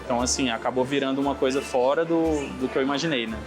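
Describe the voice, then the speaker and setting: A relaxed man with an ordinary mid-range voice talks about his event, leaning on repeated fillers. Clear music plays behind him. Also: mid-range voice, quick pace. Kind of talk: casual interview testimony. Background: background music.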